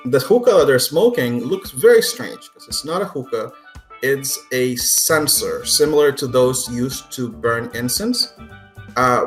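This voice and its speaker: Man game master in a roomy recording. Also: medium pitch. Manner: conversational, halting descriptions with casual asides. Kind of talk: improvised narration of a tabletop game. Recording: roomy echo, music underneath.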